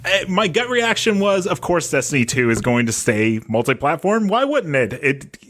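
A man co-hosting a podcast in a casual panel discussion, giving his opinions with dry, deadpan joking. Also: fairly high pitch, moderate pace. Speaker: podcast co-host.

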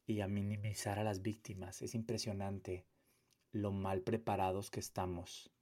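A man's voice: on the low side, flat delivery, moderate pace, mellow, slight background noise. A man giving a personal testimony monologue, emphatic, with repetition and rhetorical questions. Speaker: activist and abuse survivor telling own story.

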